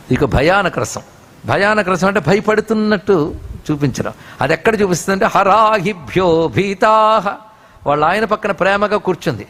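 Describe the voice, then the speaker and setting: A man with a high-pitched voice and a Telugu accent delivers a devotional discourse. He explains scripture expressively and slows down to chant verses. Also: fairly bright tone. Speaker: spiritual discourse speaker.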